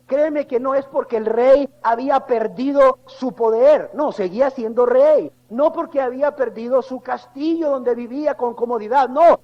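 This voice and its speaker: A man preaching a sermon, swinging from loud fervent calls to hushed, low phrases. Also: dull audio.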